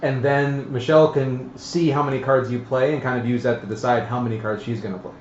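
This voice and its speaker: A man's voice: medium pitch, steady tone, a little fast, darkish tone. A man talking casually as he explains tabletop game rules step by step to the players, somewhat hesitantly. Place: echoey room at a group game table. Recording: roomy, muffled livestream audio with background noise.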